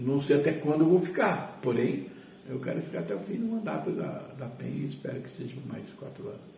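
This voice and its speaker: A man speaks at a fairly quick pace with very wide pitch swings and big swings in loudness, amid noticeable background noise and audible room echo. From São Paulo. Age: 70s. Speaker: former circus performer and municipal works supervisor. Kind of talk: interview. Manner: halting, many repetitions.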